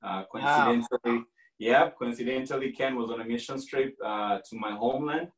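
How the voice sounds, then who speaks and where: A man in his forties, originally from Kenya, telling his story as a guest in a relaxed, rambling podcast conversation. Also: medium pitch, a little fast, roomy sound, recorded from a distance, poor audio. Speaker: franchise owner guest.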